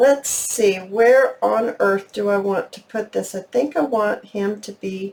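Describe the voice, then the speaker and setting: A woman with a plain, everyday voice speaks at a fairly slow pace and medium pitch. She has ordinary pitch variation and hardly any pauses. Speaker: craft video host. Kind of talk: tutorial. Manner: casual, thinking aloud.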